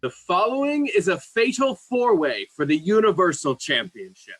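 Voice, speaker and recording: A man playing a wrestling ring announcer with a husky voice in a staged reading. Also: sits high, very animated, moderate pace, a bit bright, no echo, exaggerated voice. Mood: showy. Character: wrestling ring announcer introducing a title match.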